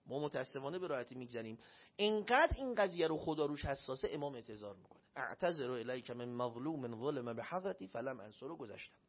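In a shrine hall, a man preaches a religious sermon in an animated, medium-pitched voice, telling a personal story and acting out the voices he quotes. The recording is dull and lo-fi.

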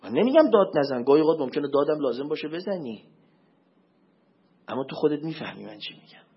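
A man giving a religious lecture as a preacher, swinging between loud emphatic questions and low murmured asides. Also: big pitch swings, breathy edge. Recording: dull lo-fi recording.

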